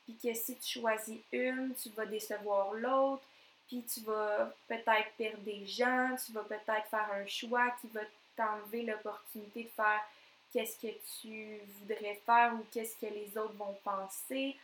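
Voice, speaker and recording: Energetic Québécois woman coach in echoey room. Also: on the high side, a little slow. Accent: Québécois French. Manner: energetic, emphatic, repeats phrases for effect. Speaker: NLP coach. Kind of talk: solo podcast talk.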